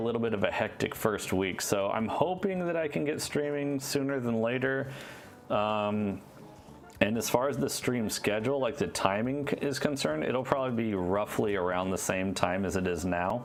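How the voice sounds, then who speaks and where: With an American accent, a man at medium pitch speaks with lively intonation amid audible room echo and noticeable background noise. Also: moderate pace. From Southern California. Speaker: video game streamer. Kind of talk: casual live stream chat. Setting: live stream at home. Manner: loud; casual, filler-heavy.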